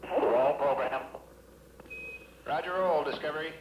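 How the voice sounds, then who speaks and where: A man's voice: on the high side, measured pace. A man giving terse, clipped callouts over a crackly space radio transmission, heard in archival launch audio. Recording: noisy, echoey, muffled archival radio audio.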